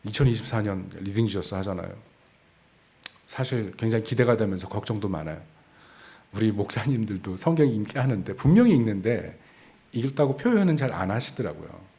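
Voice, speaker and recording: Korean pastor telling a sermon story. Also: male voice, lowish voice, expressive, a little fast, gravelly, mellow. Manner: storytelling, acts out quoted voices, laughs at himself. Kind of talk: sermon with personal testimony.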